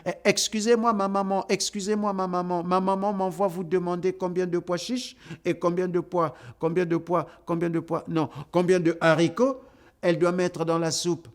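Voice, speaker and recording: A man's voice: sits high, flat delivery, moderate pace, voice pushed up, natural voice. A man storyteller voicing a small, shy boy who stammers politely and loses his words. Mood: flustered.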